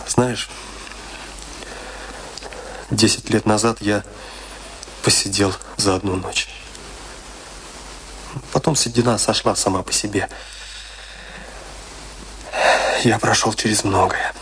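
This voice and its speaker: A man's voice: lowish voice, fairly even intonation, a little slow, long pauses, fairly bright tone, slight background noise, low-quality recording. An earnest, troubled middle-aged man. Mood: reflective. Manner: earnest, questioning, reflective. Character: troubled, compassionate middle-aged confidant, searching and perplexed. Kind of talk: theatrical radio play dialogue.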